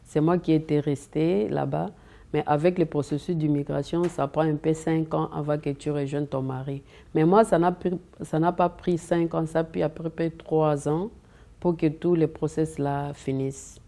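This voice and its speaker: A woman's voice: deep voice, fairly even intonation, normal speed, creaky, warm tone. A woman from Congo, telling her story in a community TV interview and often repeating and restarting words. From Democratic Republic of the Congo. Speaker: interview guest. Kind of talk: conversational interview. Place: community TV studio.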